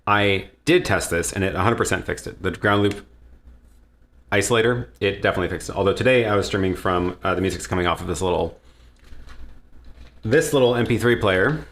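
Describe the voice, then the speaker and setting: A man with a notably low, deep voice hosts a live question-and-answer stream from his home studio. He talks in a relaxed, easygoing way, thinking aloud and often restarting his sentences. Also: fairly quick. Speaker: livestream host answering viewer questions. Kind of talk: casual live Q&A. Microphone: headset or desk mic with headphones.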